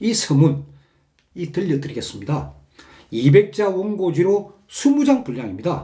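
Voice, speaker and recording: A man speaks with high pitch, very wide pitch swings and a dark, mellow tone. His pace is fairly slow, with long, frequent pauses. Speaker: former print journalist, YouTube commentator. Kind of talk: casual video commentary.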